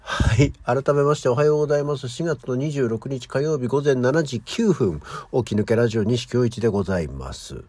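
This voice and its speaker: A middle-aged man hosting his own morning show, chatting casually and with high energy as he tells a story alone. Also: expressive, brisk, hardly any pauses, warm tone, dry recording. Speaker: podcast host. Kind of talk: casual solo morning talk.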